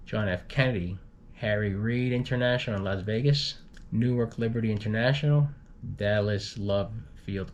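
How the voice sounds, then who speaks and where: A man with a fairly low voice reads news updates informally, adding his own comments. He reads haltingly and often repeats words. The recording is noisy, with some low rumble behind him. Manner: halting, stumbles and repeats words while reading. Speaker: news reader for an expat community channel.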